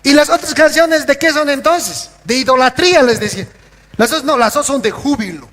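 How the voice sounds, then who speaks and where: A pastor preaching a sermon, asking the congregation questions and acting out little scenes in different voices. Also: male voice, extremely high pitch, lively intonation, fairly quick, a bit bright. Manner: acts out scenes in varied voices. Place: church. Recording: church hall reverb.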